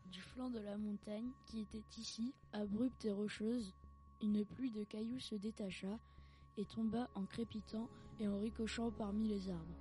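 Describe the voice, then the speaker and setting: A woman's voice: mid-range voice, fairly even intonation, moderate pace, dark tone, a little hiss or hum. A woman reading a novel excerpt aloud, a little hesitant with restarts.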